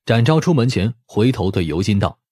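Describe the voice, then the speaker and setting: A man's voice: lowish voice, very animated, fairly quick, warm tone, breathy edge, no room sound, clean studio sound. A man reading scripted story narration expressively, as an audiobook narrator.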